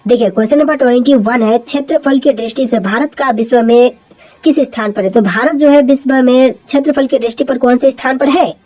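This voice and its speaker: A woman with a Hindi accent reading out quiz questions and answers, repeating each answer in a steady, explaining way. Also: a little high, poor audio. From India. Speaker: quiz presenter.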